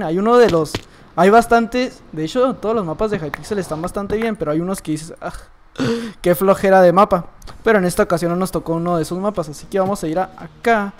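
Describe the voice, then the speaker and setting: High-voiced young gamer. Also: male voice. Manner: playful, teasing opponents, bursts of laughter. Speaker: gaming youtuber. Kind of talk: casual gameplay commentary.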